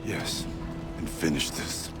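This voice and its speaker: An actor playing a grim, battle-hardened tribal warrior in a video game, terse and grave. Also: male voice, slow pace, lightly acted. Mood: resolved. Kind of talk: dramatic video game acting. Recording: music behind dialogue. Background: music.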